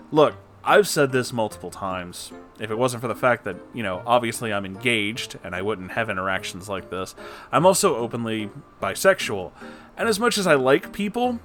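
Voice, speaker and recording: A man hosting a story-reading channel, reading online posts aloud and adding animated, casual, joking asides. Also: mid-range voice. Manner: animated, jokey, informal asides.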